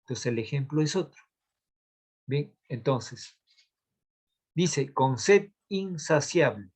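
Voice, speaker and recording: A male literature teacher walks through verse meter in a recorded lesson. He speaks slowly and deliberately, in a slightly high voice. He counts syllables out loud one at a time and keeps checking in with a questioning "right?". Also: expressive. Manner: asks rhetorical checks like "¿Bien?".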